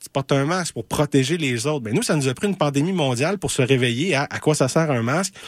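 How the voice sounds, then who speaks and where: A man talks at a fairly quick pace with a Quebec accent. His fairly high pitch shows ordinary variation in a dry, close sound with no echo. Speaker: radio host. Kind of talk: casual radio commentary. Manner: hesitant, many fillers.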